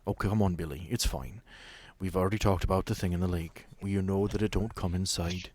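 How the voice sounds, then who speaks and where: A man voicing a caring female caretaker in a tabletop game, folksy, coaxing and gently firm. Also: low voice, a little fast, no room sound. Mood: gently reassuring.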